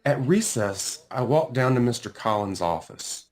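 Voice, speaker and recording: A man reading a children's storybook aloud as its author, with deliberate, dramatic emphasis. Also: medium pitch, lively intonation. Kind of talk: expressive children's storybook narration.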